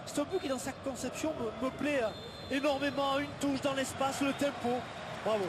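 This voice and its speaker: An excited man analyses football replays as co-commentator, pitched very high. He is emphatic and repeats words as he goes. Heavy stadium noise sits behind his sports commentary. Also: normal speed. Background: loud stadium ambience.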